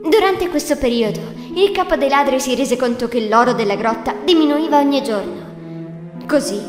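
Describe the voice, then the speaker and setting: A woman's voice: high voice, expressive, normal speed. A woman reading a scripted fairy tale as the narrator. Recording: echoey hall reverb, music behind. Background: music.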